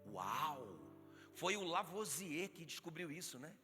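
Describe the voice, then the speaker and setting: Lively Brazilian pastor preaching in a hall. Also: male voice, on the high side, takes it slowly. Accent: Brazilian Portuguese. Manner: animated preaching, acts out quotes, calls on the congregation. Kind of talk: sermon. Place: church hall. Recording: reverberant church hall, faint music behind.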